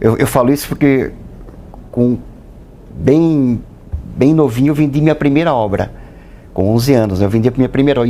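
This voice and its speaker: This man talks at medium pitch and a moderate pace. His pitch varies in an ordinary way. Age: 60s. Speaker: filmmaker and writer. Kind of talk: interview. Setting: studio.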